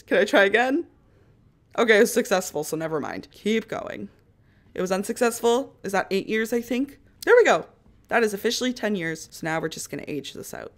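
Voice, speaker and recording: A young woman with a raspy voice, still recovering from a cough, chatting through a mobile game walkthrough as a gaming channel host. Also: medium pitch. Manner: chatty, upbeat, narrates each step. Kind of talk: casual game walkthrough commentary.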